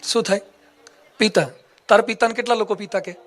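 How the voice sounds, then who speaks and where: Male preacher, very high and bright voice, playful teasing discourse to a live hall audience. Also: steady tone, fairly quick. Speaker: monk preacher. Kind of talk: humorous Gujarati religious discourse.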